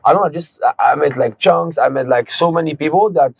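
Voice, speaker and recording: Swiss man telling animated stories. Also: fairly high pitch, vocal fry, slightly rough. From Switzerland. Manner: fast, animated storyteller, slangy ("bro"). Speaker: guest. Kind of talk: casual interview storytelling.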